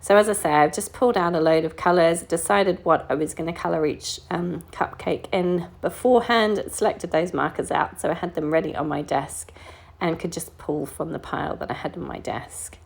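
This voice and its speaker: Middle-aged New woman, low-pitched, relaxed chatty crafter voice-over, easygoing. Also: moderate pace, creaky. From New Zealand. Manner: chatty and relaxed, with frequent ums and small laughs. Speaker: card-making crafter. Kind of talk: casual voice-over narration while colouring. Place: home craft desk.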